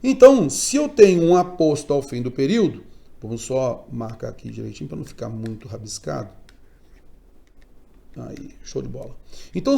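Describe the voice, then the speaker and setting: Brazilian guy giving a grammar class, slightly high voice, keeps checking if you got it, stresses key words. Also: gravelly, warm tone. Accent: Brazilian Portuguese. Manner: didactic, frequent check-in tags, emphatic stresses. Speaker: Portuguese grammar teacher. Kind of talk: online exam-prep lecture.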